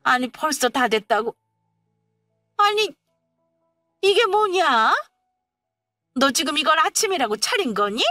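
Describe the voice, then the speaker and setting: A woman voicing an indignant older mother-in-law who scolds in a shrill, shrieking way. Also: expressive, fairly quick, bright, forceful tone, no room sound, studio quality, far from the mic, faint music behind. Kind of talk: storytelling drama voice acting.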